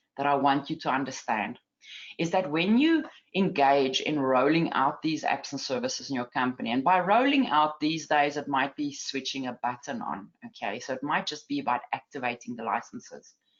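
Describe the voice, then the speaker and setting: A very deep, low-pitched woman's voice in a South African accent, with lively intonation. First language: Afrikaans. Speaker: IT trainer and technology expert. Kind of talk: webinar presentation. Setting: online webinar. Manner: fast; enthusiastic.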